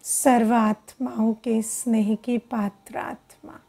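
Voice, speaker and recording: Slow, mellow woman guiding meditation. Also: a little high, little pitch movement, vocal fry, breathy edge. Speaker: meditation guide. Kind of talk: slow guided meditation with long pauses.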